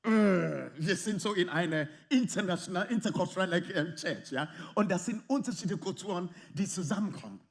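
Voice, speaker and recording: A man preaching a sermon in lively, slightly non-native German with English phrases mixed in. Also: sits high, a little fast, creaky, hardly any pauses. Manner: animated, lively, often acts out quoted arguments. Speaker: pastor.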